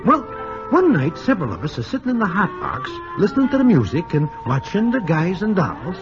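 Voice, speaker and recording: A man's voice: sits high, sing-song, fairly quick. A man playing a wry gambler sidekick who narrates a 1940s radio drama in a formal present-tense manner. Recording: dull old radio broadcast with music.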